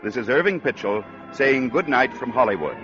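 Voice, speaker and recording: A man's voice: medium pitch, animated, normal speed, music in the background. Old-time radio host guy, polished and genial, muffled broadcast sound. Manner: genial, polished announcer delivery. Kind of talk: 1940s radio host patter and announcements. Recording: dull lo-fi 1940s radio broadcast.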